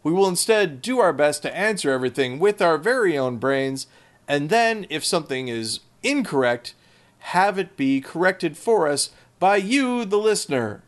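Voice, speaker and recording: Man, podcast co-host, casual chat, sarcastic, rambling, slightly high-pitched. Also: sing-song, normal speed. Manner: dry sarcastic humor, rambling asides.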